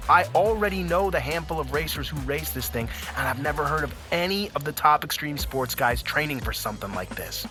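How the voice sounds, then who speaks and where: An actor playing a cocky young scooter racer in an audio drama, breezy, boastful and slangy. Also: male voice, on the high side, animated, brisk, hardly any pauses, over music, lightly acted. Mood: confident. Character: cocky young male scooter racer, sure he'll win. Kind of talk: acted audio drama dialogue.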